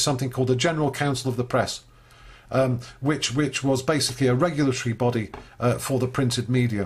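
A man's somewhat breathy, medium-pitched voice at a very fast pace, with fairly even intonation. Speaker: university lecturer. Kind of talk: lecture. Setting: video call.

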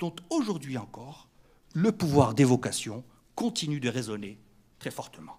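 At a fairly quick pace, a man with a fairly high pitch talks with very wide pitch swings. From Morocco. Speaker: foundation director; speaker. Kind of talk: prepared speech. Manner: formal. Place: meeting room. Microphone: podium.

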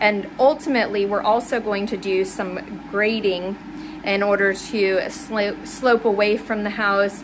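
A woman speaks with fairly even intonation. There is noticeable background noise. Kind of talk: casual vlog chat. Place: home room. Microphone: phone near.

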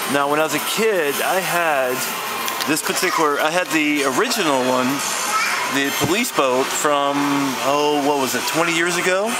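Loud background noise fills the clip as the voice keeps a moderate pace with long, frequent pauses. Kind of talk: casual vlog commentary. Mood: relaxed, mildly opinionated. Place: shop. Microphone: phone near.

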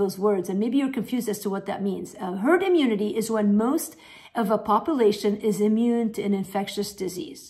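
A woman speaks in a dark, mellow tone that is somewhat breathy. Her pitch varies in an ordinary way. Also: fairly quick pace, quiet background. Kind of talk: informational update to viewers. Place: home room. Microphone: phone near.

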